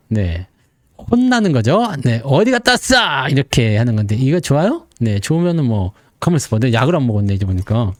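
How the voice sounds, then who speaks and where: Man, livestream host, casual joking chat, greets viewers by name, lively up-and-down voice, dry close sound. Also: mid-range voice, dry recording. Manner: chatty, jokey, reads viewer names one after another. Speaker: stock market livestream host.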